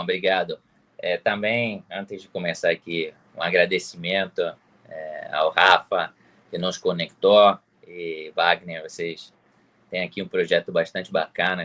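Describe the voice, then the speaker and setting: A man's voice: deep voice, fairly bright tone. A man from Italy with an Italian accent, speaking a second language casually as an interview guest. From Pisa, Tuscany, Italy. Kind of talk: casual introduction in an online interview.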